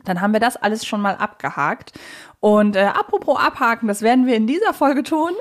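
A woman's voice: fairly high pitch, fairly quick. A woman hosting a podcast in a casual, chatty, informal way. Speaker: podcast host. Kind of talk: casual chat, podcast discussion.

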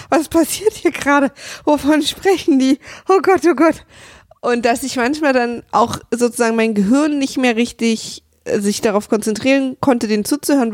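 A woman rambles through a casual podcast monologue from her home office, full of fillers and quick laughs. Her voice sits at an ordinary middle pitch. The sound is dry and close. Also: darkish tone, no room sound. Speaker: podcast host.

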